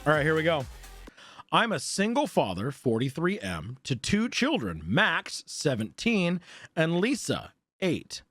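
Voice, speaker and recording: A man's voice: fairly high pitch, wildly swooping pitch, measured pace, fairly bright tone, no room sound, faint music behind. A man streaming, reading forum posts aloud and breaking off to react, swear and laugh.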